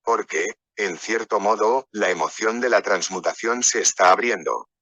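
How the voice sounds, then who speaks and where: A man's voice: fairly low pitch, normal speed, a bit bright, dry recording. A man leading a workshop, telling personal stories in a rambling, conversational way. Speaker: workshop speaker. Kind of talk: storytelling lecture.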